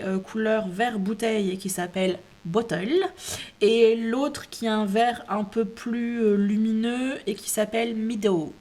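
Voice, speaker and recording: Woman explaining a craft project, chatty, hesitant, restarts often, home table. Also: medium pitch. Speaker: craft video host. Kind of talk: casual crafting tutorial.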